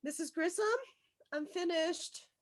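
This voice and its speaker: A woman playing an awkward, anxious junior high girl in a script read, hesitant and pleading. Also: little pitch movement, measured pace. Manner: hesitant, stammering, protesting. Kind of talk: table read of a film script.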